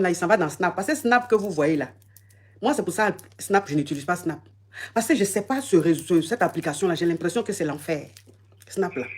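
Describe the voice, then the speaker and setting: A woman's voice: mid-range voice, breathy edge. A woman giving advice to a caller as a coach, emphatic and repeating words as she talks. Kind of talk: live call-in advice chat.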